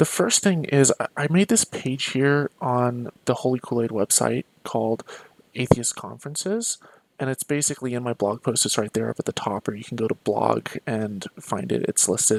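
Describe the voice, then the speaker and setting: Soft-spoken and medium-pitched, a man talks at a moderate pace with ordinary pitch variation in a dry, close sound with no echo. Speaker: YouTuber, atheist activist. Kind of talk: live stream talk. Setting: basement of a rental home. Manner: quiet, talking softly.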